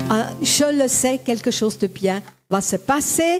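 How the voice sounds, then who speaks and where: Her dark, mellow tone and lively intonation come through on a very clean recording with a silent background, the speaker being a woman. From German-speaking Switzerland. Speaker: gospel singer and evangelist. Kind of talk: stage introduction between songs.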